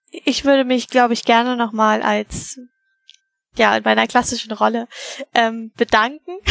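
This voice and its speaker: A woman talks at a fairly slow pace with long, frequent pauses. The sound is dry and close, with no echo. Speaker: competition organizer. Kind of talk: casual interview.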